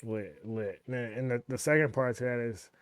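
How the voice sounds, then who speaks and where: Relaxed man hosting, dry close sound. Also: mid-range voice, moderate pace, clean tone, dry recording. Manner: relaxed, slangy, encouraging. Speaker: podcast host. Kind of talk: casual interview questions.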